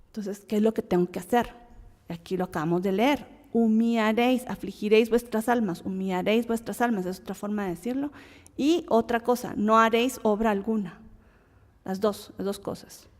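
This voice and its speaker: A woman's voice: medium pitch, normal speed, in a large hall. A woman from Guatemala with a Guatemalan Spanish accent, teaching a Bible lesson in a conversational way, asking and answering her own questions.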